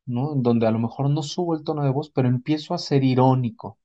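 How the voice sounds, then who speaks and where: With a Mexican accent and a mellow, medium-pitched voice, a male psychotherapist talks fairly quickly through an explanation illustrated by acted examples. His manner is didactic, punctuated by short rhetorical check-ins, and the recording sounds dull.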